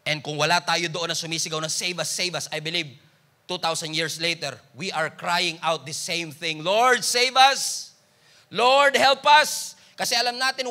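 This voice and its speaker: Male Filipino pastor, high and crisp-edged with gravel in the voice, full sermon delivery. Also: bright, forceful tone.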